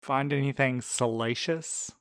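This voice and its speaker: A man's voice: mid-range voice, measured pace, clean tone, natural voice. A man playing a snarky, wisecracking young sidekick in an audio drama, casual and sarcastic. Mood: teasing. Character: Milo, snarky, wisecracking, caffeine-bribed young male sidekick.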